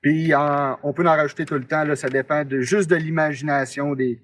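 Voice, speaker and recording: A man's voice: fairly high pitch, steady tone, fairly quick, fairly bright tone, a little hiss or hum. A man in his twenties with a Québécois accent, an amateur strongman answering interview questions in a chatty, rambling way. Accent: Québécois French. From Quebec, Canada. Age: 20s. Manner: chatty, rambling, many "là" tags.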